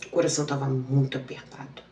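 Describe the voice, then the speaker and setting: A woman's voice: very deep voice, flat delivery, fast talker, a little mellow, reverberant, far from the mic, a little hiss or hum. A woman, telling a personal story and acting out the dialogue. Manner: emotional, repetitive retelling with quoted dialogue. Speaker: channel host.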